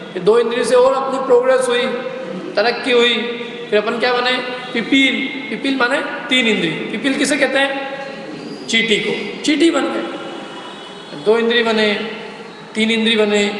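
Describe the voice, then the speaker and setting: A man's voice: extremely high pitch, sharp tone. A man giving a religious lecture to a class, explaining step by step and asking his listeners questions. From India. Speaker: lecturer on scripture. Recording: echoey hall, faint background noise.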